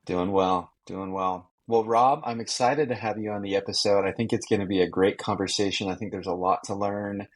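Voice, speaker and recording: Podcast host, man, deep voice, eager and upbeat, recorded on a thin, distant earbud mic. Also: steady tone, brisk, hardly any pauses. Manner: upbeat, enthusiastic, repeats praise. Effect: low-quality earbud mic audio. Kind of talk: casual interview hosting. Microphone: wireless earbuds mic.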